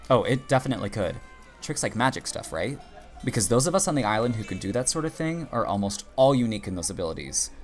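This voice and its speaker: Teasing barista best friend someone acting, super expressive, up and down voice, podcast drama. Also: mid-range voice, fast, soft background music, lightly acted. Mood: thoughtful, urging. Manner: expressive, playful. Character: playful, teasing, supportive small-town barista friend. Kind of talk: naturalistic audio drama acting.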